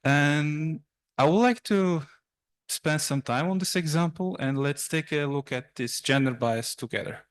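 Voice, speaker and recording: In a university lecture room, a young man whose first language is Turkish presents an academic seminar talk, walking through his slides haltingly with fillers and restarts. His voice is fairly high in pitch.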